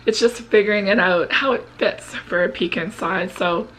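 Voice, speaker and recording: A 49-year-old vlog host about to turn fifty speaks to her viewers in a casual, earnest, confessional chat. Her voice sits at medium pitch with a fairly bright tone and a moderate pace, and the recording quality is low.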